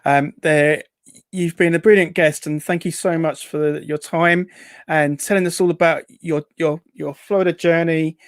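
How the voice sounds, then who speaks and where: A man's voice: on the high side, steady tone, normal speed, clean tone, dry recording. A man hosting a casual interview, hesitant and rambling, who says w for r. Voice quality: weak r sounds, says w for r. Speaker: host.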